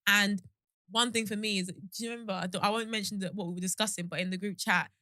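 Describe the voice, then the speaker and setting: Young woman, bright voice, chatty and rambling, dry close mic. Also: medium pitch, fairly even intonation, fast, no echo. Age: 20s. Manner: chatty, laughs easily, loose and rambling. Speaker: podcast co-host. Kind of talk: casual chat.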